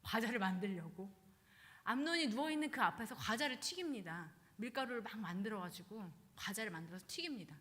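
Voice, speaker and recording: A woman pastor telling a scripture story in a dramatic, animated sermon style, recorded in a church. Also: mid-range voice, a little fast. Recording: long church hall reverb.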